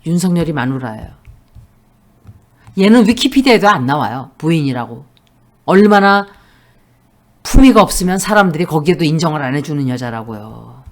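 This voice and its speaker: A woman's voice: deep voice, expressive, normal speed, pauses often. A woman giving a tarot reading in a monologue, making blunt, emphatic predictions. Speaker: tarot reader.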